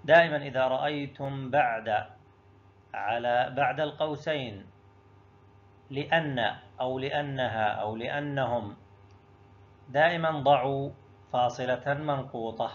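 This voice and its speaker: A man's voice: medium pitch, normal speed, long pauses, muffled recording. A male teacher going through an exam review lesson, explaining each answer step by step and asking himself questions before answering them. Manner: addresses students directly.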